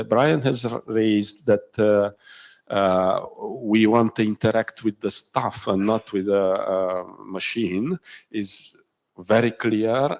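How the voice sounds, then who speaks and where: A man moderating a conference session, speaking hesitantly with many pauses. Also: on the low side, vocal fry, rough recording. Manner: hesitant, lots of pauses and fillers. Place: conference hall.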